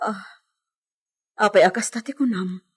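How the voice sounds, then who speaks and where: A woman's voice: medium pitch, normal speed, breathy edge, lightly acted. A woman playing a married housemaid who speaks respectfully and reassures her mistress. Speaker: servant. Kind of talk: amateur audio drama acting.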